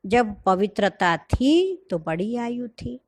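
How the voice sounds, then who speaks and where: A woman giving a gentle spiritual sermon, quoting her teacher's words and explaining them. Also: fairly high pitch, sing-song, slow. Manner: gentle, explanatory, quotes the teacher then comments. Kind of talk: sermon explaining a scripture reading.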